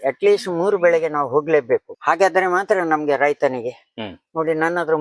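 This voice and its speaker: In a dry, close recording with no echo, a man with an ordinary speaking voice talks at a fairly high pitch with ordinary pitch variation. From coastal Karnataka (Dakshina Kannada, Belthangady). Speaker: pepper farmer. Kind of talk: interview. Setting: outdoors.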